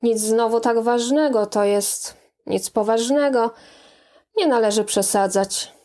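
A hesitant, evasive young man, as a woman reads him in an audiobook. He speaks gently and carefully, at an unhurried pace, in a fairly high voice. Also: close to an everyday voice.

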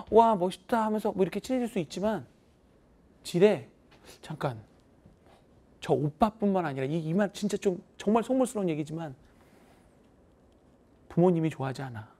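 A woman's voice: medium pitch, gravelly, mellow. A woman math teacher giving students a chatty, motivational talk, acting out voices as she tells stories.

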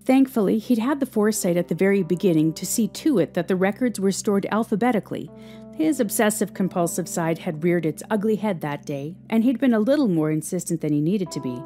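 A woman's voice: mid-range voice, animated, brisk, dark tone, soft background music. A woman narrating a scripted story as the narrator of an audio drama.

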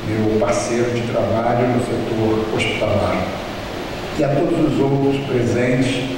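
Man giving an emotional speech in an echoey chamber. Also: mid-range voice. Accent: Rio de Janeiro Portuguese. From Brazil. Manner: emotional, measured, reading from notes. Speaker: honoree giving an acceptance speech. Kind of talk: formal ceremony speech. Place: large council chamber, indoors. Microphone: podium microphone. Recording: echoey chamber heard from a distance with room noise.

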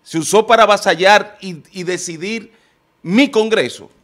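A man in a TV studio panel, talking into a desk microphone, pressing his point with forceful questions. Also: high-pitched, normal speed. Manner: emphatic, rising to forceful questions. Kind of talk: heated political panel debate.

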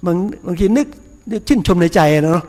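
A man's voice: sits high, animated, brisk, a little mellow, long reverb tail. A man, a Buddhist monk, giving a casual, folksy sermon with rhetorical questions and chuckles. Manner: folksy, chatty, with frequent laughs and rhetorical questions. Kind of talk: casual sermon before a meal. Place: temple hall.

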